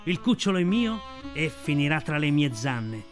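A man's voice: a little high, expressive, normal speed, a bit bright, soft background music. A man doing a menacing, arrogant male tiger. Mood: threatening. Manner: boastful, threatening.

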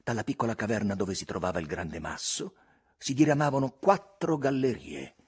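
A man reading a novel aloud as an audiobook, with expressive, varied storytelling. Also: fairly low pitch, moderate pace, slightly rough. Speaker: audiobook reader. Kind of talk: audiobook narration.

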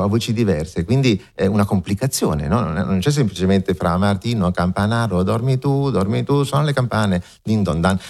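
A man giving a spoken music lesson at the piano, explaining the piece and often checking in with a questioning "no?". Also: medium pitch. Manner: explanatory, often asks "no?", frequent hesitations. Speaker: music lecturer. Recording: piano playing heard throughout. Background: loud piano music.

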